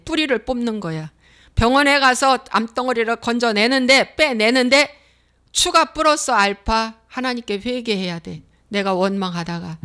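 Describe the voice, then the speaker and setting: Woman pastor, fervent sermon delivery, fairly high voice, drives points home by repetition. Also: a bit bright. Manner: emphatic, repeats key phrases; acts out complaining believers' voices.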